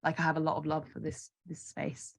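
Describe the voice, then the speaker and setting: A woman's voice: low-pitched, level tone, fairly quick, gravelly, husky. A young woman from Carlisle, answering casually as a musician guest. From Carlisle, Cumbria, England. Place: online video call.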